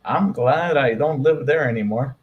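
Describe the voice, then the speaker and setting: Relaxed American man, guest chat. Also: medium pitch, normal speed, highs cut off, slight background noise. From United States. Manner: relaxed, many fillers, mixes in Portuguese. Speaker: interview guest. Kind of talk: casual interview, live stream.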